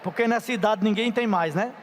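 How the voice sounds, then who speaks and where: A man's voice: sits high, brisk, slight background noise. A middle-aged man, preaching a chatty, playful sermon at a youth conference and asking the audience for help. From Paraíba, Brazil. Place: large conference hall. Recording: reverberant hall.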